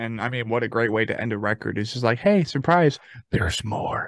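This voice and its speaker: A man with an unremarkable speaking voice talks at a fairly quick pace. His pitch varies in an ordinary way. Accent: American. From Arizona. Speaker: podcast host. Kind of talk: casual interview.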